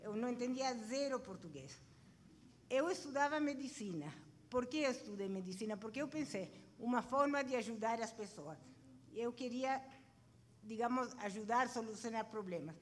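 High-voiced Chilean woman in a reverberant hall. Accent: Chilean Spanish. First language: Spanish. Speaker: guest speaker on a forum panel. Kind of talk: personal account in an onstage interview. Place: stage in a conference hall with seated audience. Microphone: handheld microphone. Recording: reverberant hall, background room noise.

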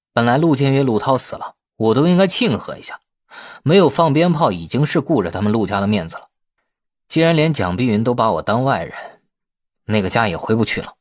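A man's voice: medium pitch, no echo, studio quality, close to an everyday voice. A man voicing a cocky, teasing young businessman in an audiobook, glib and mock-innocent.

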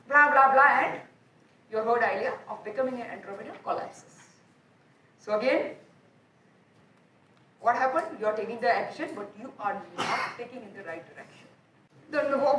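A high-voiced woman with an Indian accent gives an animated motivational talk to an audience in a large auditorium. She keeps asking the crowd questions and repeats her words as she goes. Her voice rings through a roomy hall and sounds a little far from the mic. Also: slight background noise. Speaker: motivational speaker. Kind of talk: live conference talk. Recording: echoey hall, heard from off.

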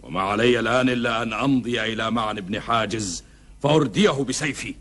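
An actor playing a proud, defiant middle-aged tribal rebel in a historical epic drama, declaiming in formal Arabic with challenging rhetorical questions. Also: male voice, medium pitch, quick pace, a bit bright, close to an everyday voice. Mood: grim resolve.

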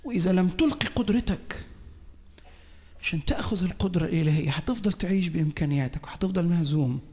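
A man with an Egyptian Arabic accent preaching a sermon at a conference, swinging between shouting and hushed whispers. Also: high voice, fast, husky, big-room sound. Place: large conference hall.

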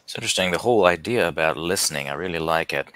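A middle-aged man with a very deep but bright, forward voice, recorded dry on a headset. He talks casually and thoughtfully, pausing and restarting, then pressing on the important words. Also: animated, no echo. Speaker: guest on a livestream discussion. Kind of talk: casual reflective discussion. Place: indoor room at home, on a video call. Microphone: headset on a video call.

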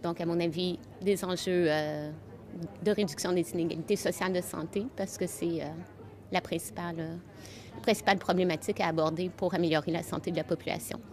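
A woman's voice: fairly low pitch, fairly even intonation, brisk, darkish tone. A woman in her thirties with a Quebec French accent, earnestly defining a concept, repeating words as she searches. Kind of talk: vox pop interview answer.

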